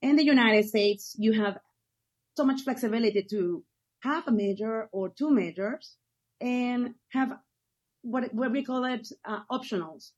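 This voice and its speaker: Enthusiastic woman from Ecuador, fairly high voice. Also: measured pace, a little mellow. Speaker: guest. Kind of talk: casual conversational interview.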